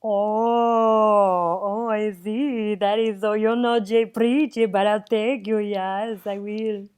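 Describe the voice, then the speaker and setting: A woman's voice: mid-range voice, steady tone, takes it slowly, a little mellow, smooth, close to an everyday voice. A woman voicing a dreamy, flirtatious Latina with a Latin American Spanish accent in a comic table read, drawing her words out. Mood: flirtatious, puzzled.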